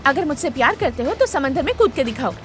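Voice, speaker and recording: A woman's voice: high voice, very animated, quick pace, fairly bright tone, soft background music. An actress dubbing a young woman who teasingly refuses a suitor. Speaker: young woman in a dubbed film. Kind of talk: Hindi film dubbing.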